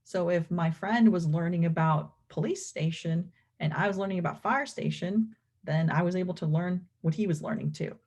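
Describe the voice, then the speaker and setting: Low, husky woman lecturing. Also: normal speed, a little mellow. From Venezuela. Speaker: clinical professor and behavior analyst presenting research. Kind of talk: explanatory academic lecture.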